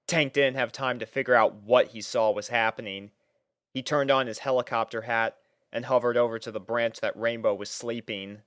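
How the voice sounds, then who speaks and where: A man reads a fan story aloud in an even, unhurried storybook voice. His pitch sits in the middle range. The sound is close and dry, with no room around it. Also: clear, resonant tone, no room sound. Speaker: fanfiction reader. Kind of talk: storybook narration.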